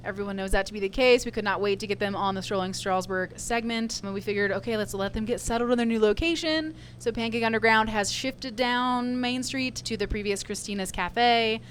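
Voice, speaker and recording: A woman's voice: on the high side, steady tone, a little fast, few pauses, a little hiss or hum. A woman who works as a town community development director, chatting in a cheerful, playful way. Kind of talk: casual chat.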